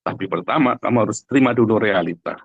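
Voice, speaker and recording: Husky man preaching emphatically. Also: on the low side, quick pace, no room sound, phone-quality sound. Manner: repeats phrases for emphasis, addresses listeners directly. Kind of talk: livestream sermon, conversational and emphatic.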